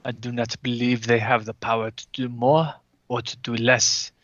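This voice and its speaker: A man's voice: mid-range voice, level tone, normal speed, fairly bright tone, dry recording, dull audio, lightly acted. A man doing a big, stiff, formal giant. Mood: earnest. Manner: formal, clipped speech without contractions. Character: huge aloof male Earthbound being, formal and stiff.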